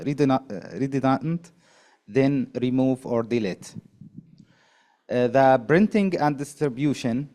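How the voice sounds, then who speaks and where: Man from Syria, slow hesitant panel presenter. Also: medium pitch, a little mellow. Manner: halting, many restarts and fillers. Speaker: conference panelist. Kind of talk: conference presentation.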